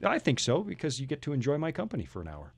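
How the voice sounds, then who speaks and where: A man's voice: a little high, huge pitch swings, fast talker, gravelly, husky. A man from Canada hosting a radio interview with jovial, teasing banter. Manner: teasing, joking. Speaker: radio host.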